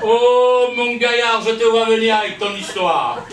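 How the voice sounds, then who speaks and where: A man voicing a gruff, stubborn old rural father, loud and scolding. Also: high voice, moderate pace, distant mic. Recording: echoey room, heard from afar.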